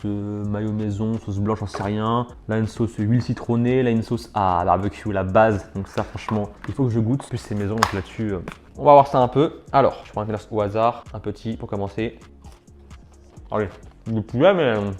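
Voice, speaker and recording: A man's voice: on the low side, a little mellow. A man chatting casually as he tastes and reviews food for his vlog, sometimes talking with his mouth full. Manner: chatty, talks with mouth full while tasting. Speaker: food challenge vlogger.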